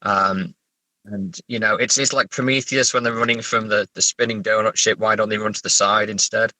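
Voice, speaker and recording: Male writer, middle-aged, lowish crisp bright voice, halting and self-effacing in casual interview. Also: steady tone, no room sound, poor audio. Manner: hesitant, stammering, self-deprecating. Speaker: guest writer discussing own story.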